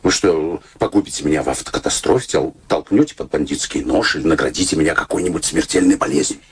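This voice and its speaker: An actor in a radio play playing an ironic, gallant accountant who talks in a hesitant, teasing way. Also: male voice, rumbling low, lively intonation, breathy edge, heavily acted. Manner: hesitant, wry, teasing, with drawn-out fillers. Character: ironic, gallant accountant posing as a daughter's fiancé.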